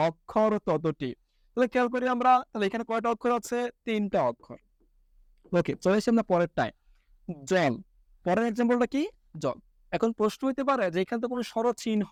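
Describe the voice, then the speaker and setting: A man's voice: sits high, dry recording, clean studio sound. A young man teaching an online lesson, asking questions and answering them himself step by step.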